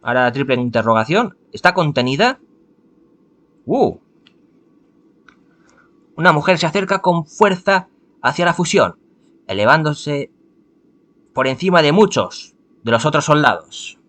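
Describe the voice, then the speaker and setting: Slightly high and a bit bright, his voice takes on a sing-song quality as he reads a visual novel unhurriedly, leaving long pauses. The Spanish-accented man from Spain stumbles often, correcting himself and adding remarks.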